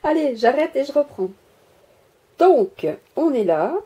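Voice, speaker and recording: Very animated but slow, a woman with a high-pitched, dark-toned voice chats about her handmade miniature workshop while filming it. Her casual show-and-tell rambles, with many hesitations and jokes at her own expense, and her handheld camera's mic records it.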